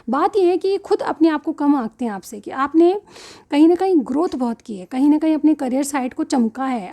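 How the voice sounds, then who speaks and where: Young woman, tarot reader; high, warm-toned voice, loose rambling delivery. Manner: rambling, repeats 'theek hai' as filler. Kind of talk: casual spoken reading to viewers.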